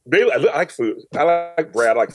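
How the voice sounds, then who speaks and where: On a podcast, a male guest in his fifties from Los Angeles chats casually in a casual interview. His medium-pitched voice moves briskly, animated and full of jokes.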